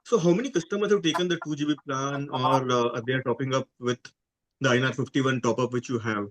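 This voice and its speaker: A man's voice: medium pitch, quick pace, slight background noise. A man asking questions as an analyst on a conference call, somewhat hesitantly.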